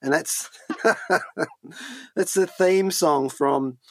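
A man's voice: fairly high pitch, drawn-out words, dry recording. A man chatting as a radio co-host and reviewer, hesitantly repeating words as he goes. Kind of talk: conversational review chat. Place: radio studio.

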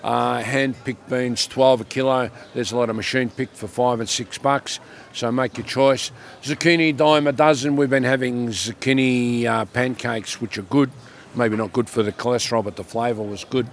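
An older man, a market produce seller in casual radio chat, his voice croaky from a cough, plainspoken and practical. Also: medium pitch, fairly even intonation, normal speed.

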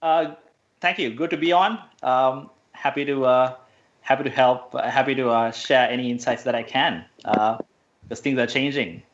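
A man's voice: medium pitch, steady tone, moderate pace, highs cut off. Hesitant man from Sri Lanka. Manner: hesitant, many fillers and restarts. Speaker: guest. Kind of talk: radio interview.

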